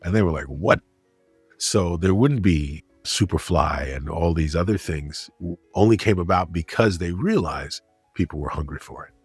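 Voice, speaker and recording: Deep husky man, dry close sound. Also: normal speed, dry recording, soft background music. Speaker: interview guest, critic and broadcaster. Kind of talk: conversational interview.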